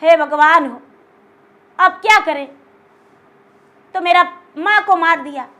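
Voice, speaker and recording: Distraught male master, voiced by a woman, Magahi accent, high, bright lamenting cries. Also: slow, heavily acted. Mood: despairing. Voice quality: lamenting, crying out to God. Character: distraught male horseman master, wailing at his ruin.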